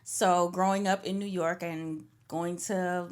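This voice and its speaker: A woman from Trinidad, co-hosting a casual chat podcast, expressive and quick to laugh. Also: lowish voice. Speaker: podcast co-host.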